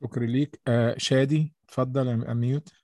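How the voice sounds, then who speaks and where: A man's voice: medium pitch, fairly even intonation, fast talker, warm tone, no echo, studio quality. A man with an Egyptian accent moderating a call-in, handing the floor to callers with curt prompts, heard away from the mic. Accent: Egyptian Arabic.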